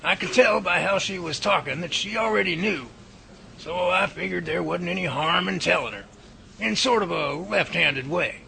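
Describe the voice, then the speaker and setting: A man playing an earnest, guarded professor in a radio drama, with a folksy, deliberate delivery. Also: high voice, creaky, pushed and bright, exaggerated voice, low-quality recording. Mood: reassuring. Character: earnest, guarded male professor researching Bigfoot. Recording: faint background noise.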